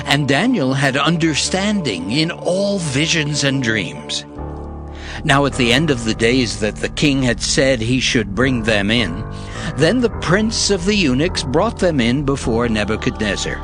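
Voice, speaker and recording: A man narrates scripture in a solemn storytelling style. His delivery is slow and deliberate, yet the pitch rises and falls widely, over clearly audible music.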